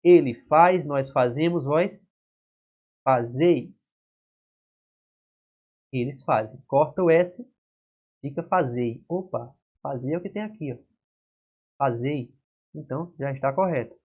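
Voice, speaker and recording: In a husky, mid-range voice, slow and full of long pauses, a Brazilian-accented male teacher leads an exam-prep grammar lesson on verb conjugations at a whiteboard. He proceeds step by step, often asking "certo?" and "né?" to check on students, captured in dull lo-fi classroom audio.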